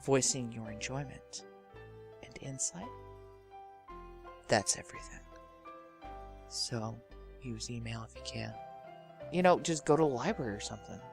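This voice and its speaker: A man's voice: medium pitch, measured pace, vocal fry, long pauses, music in the background. A man hosting a podcast, talking informally and directly to listeners in an earnest, emphatic, rambling way. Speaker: podcast and radio drama host.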